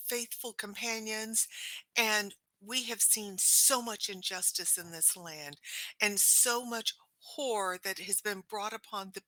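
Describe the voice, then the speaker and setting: Lady acting as a defiant righteous heroine in a tabletop game, bright forceful voice, slow dramatic speeches. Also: mid-range voice, dry recording, low-quality recording. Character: righteous, defiant female adventurer confronting a villain. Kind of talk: tabletop role-play.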